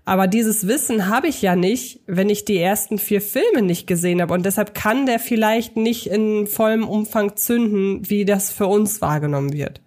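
A woman's voice: mid-range voice, moderate pace, few pauses, darkish tone. Woman, podcast co-host, casual film talk, explanatory, step-by-step reasoning.

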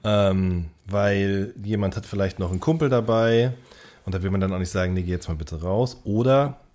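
A man's voice: low voice, moderate pace, a little mellow. A man, a podcast co-host talking casually and wordily, often rephrasing himself as he goes. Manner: wordy, self-correcting, circles around his point. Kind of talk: casual conversational podcast chat.

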